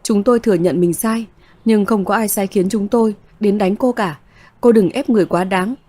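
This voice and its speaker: A woman's voice: mid-range voice, normal speed, mellow, lightly acted. Woman voicing a pleading young mother. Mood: defensive. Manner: pleading and apologetic.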